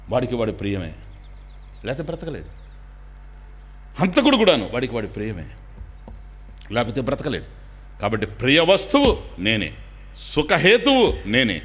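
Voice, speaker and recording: A man, a swami, giving a spiritual discourse in an animated storytelling manner, now and then dropping in English phrases. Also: fairly high pitch. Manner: animated, acts out anecdotes, drops English phrases.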